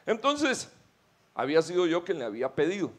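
A man's voice: on the high side, very animated, brisk. A middle-aged man preaching a sermon fervently, telling of his own experiences and calling listeners brother.

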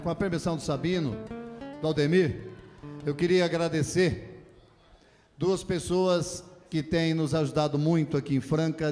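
A man's voice: a little high, darkish tone. A middle-aged Brazilian man, a country singer, giving a grateful, emphatic thank-you speech from a stage. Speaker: singer-guitarist in a country music duo. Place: stage at a country music event. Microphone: vocal microphone on a stand. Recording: reverberant stage PA sound.

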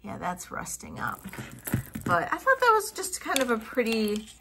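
A middle-aged woman casually showing off vintage jewelry finds, thinking aloud and trailing into soft mutters as she tests stones. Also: on the high side, huge pitch swings, moderate pace, vocal fry, noisy background. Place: home office at a table.

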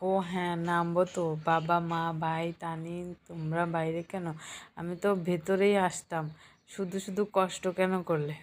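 A woman's voice: on the low side, flat delivery, normal speed, natural voice. A woman doing a sulky, proud young woman. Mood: gentle.

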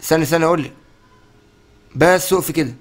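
A young man with an Egyptian accent giving excited let's-play commentary, often exclaiming and laughing. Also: fairly high pitch, fast talker. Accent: Egyptian Arabic. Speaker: gaming YouTuber.

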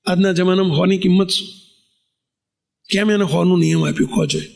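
A man, a monk, preaching a sermon to a congregation, asking the crowd rhetorical questions and telling stories with lively animation. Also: high-pitched, brisk, creaky.

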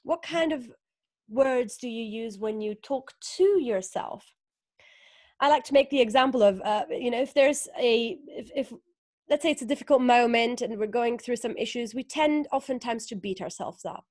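A woman's voice: on the high side, moderate pace, a little mellow, no room sound, clean studio sound. A woman, a guest author talking thoughtfully on a video call, with many fillers and rhetorical questions. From northern Italy. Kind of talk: conversational interview on a video call. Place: small room indoors. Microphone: video call webcam.

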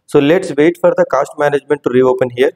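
Man explaining software, reverberant. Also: a little high, quick pace. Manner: explanatory, repeats "right?" and "so". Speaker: tutorial host. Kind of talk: screen-recorded software tutorial. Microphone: voice-over on screen recording.

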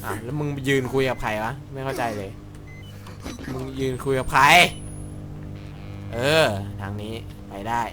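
Speaking at a measured pace with long pauses, a young man with a medium-pitched voice plays a horror game in Thai for his YouTube channel while music plays behind him. He rambles with crude jokes, talks to himself, acts brave in jest, and yelps when something startles him.

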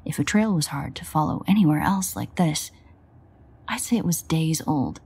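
A woman playing a sardonic, exasperated vampire in an audio roleplay, grumbling and swearing in a husky near-whisper. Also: deep voice, lively intonation, moderate pace, a little mellow, heavily acted. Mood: weary, grumbling. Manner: sarcastic, profane, grumbling. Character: sardonic, exasperated female vampire, reluctant ally. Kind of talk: audio roleplay addressed to the listener.

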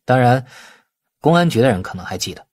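Man acting a husky, irritable young schemer. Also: mid-range voice, big pitch swings, a little fast, darkish tone. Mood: wry, subdued. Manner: colloquial, grumbling. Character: wily, irritable, world-weary young man in crime novel.

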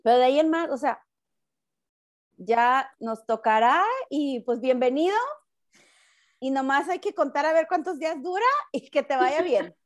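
A middle-aged Mexican woman is a guest on a radio talk show, chatting casually in a loud, high-pitched voice that sounds almost like shouting. She speaks at a measured pace, pauses often, and keeps restarting and repeating her words.

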